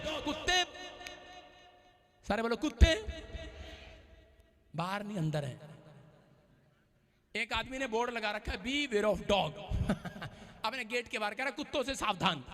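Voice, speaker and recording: A man preaching a Hindi-language Pentecostal sermon in a church, telling stories and shouting commands against evil spirits. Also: very high voice. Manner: animated, storytelling, shouts deliverance commands. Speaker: pastor. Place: church hall.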